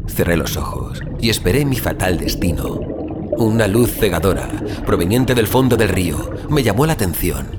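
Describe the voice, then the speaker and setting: A man's voice: low-pitched, sing-song, moderate pace, very noisy. A man playing an anguished, dazed amnesiac survivor in a first-person audio drama, with theatrical gasps and exclamations. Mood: somber, haunted.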